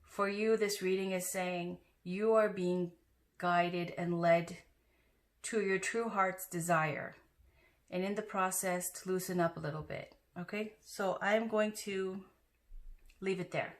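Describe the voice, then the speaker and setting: A woman's voice: fairly low pitch, steady tone, takes it slowly. A woman giving a casual, chatty tarot reading to her viewers, with loose asides and fillers. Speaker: tarot reader.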